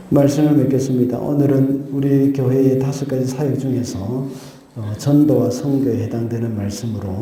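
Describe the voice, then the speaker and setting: A man preaches a Sunday sermon with a deep, very mellow voice. His delivery is measured and steady, punctuated by brief affirming asides. The sound rings through a strongly reverberant church sanctuary. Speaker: pastor. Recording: very echoey church hall.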